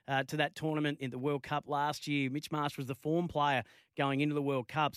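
A man's voice: mid-range voice, a bit bright, dry recording. An Australian man presenting a live talkback sports radio show as its host, close on a studio microphone.

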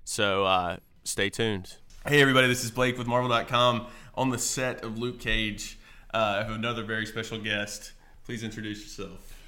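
A man's voice: fairly low pitch, steady tone, normal speed, pushed and bright, smooth. A man hosting a podcast and interviewing a guest in an upbeat style.

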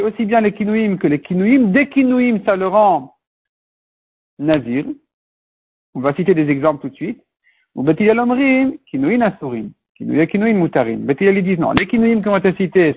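A man with a high, husky voice leads a Talmud lesson. He works through each term patiently, slipping in Hebrew and Aramaic words. The recording sounds thin and phone-like. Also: lively intonation, normal speed. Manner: explains step by step, mixes Hebrew and Aramaic terms. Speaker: Talmud teacher. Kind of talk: Talmud class explanation.

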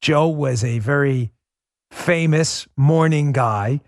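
A middle-aged man takes his time on this dry-sounding political talk podcast, speaking emphatically into a studio microphone. Addressing listeners directly as folks, he shifts from loud to quiet and drops low for emphasis.

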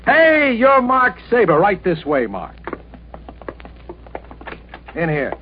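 High-voiced pushy American Hollywood agent. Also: male voice, huge pitch swings, takes it slowly, full character voice. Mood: wheedling, slick. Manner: pushy, wheedling. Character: slick, fast-talking, whining Hollywood talent agent man. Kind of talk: 1950s radio drama acting. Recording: muffled, noisy old radio broadcast.

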